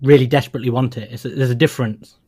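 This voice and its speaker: A man chats in a casual podcast conversation. He talks quickly and easily, adding his own remarks to the discussion. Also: mid-range voice, steady tone, darkish tone. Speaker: podcast co-host. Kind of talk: casual chat.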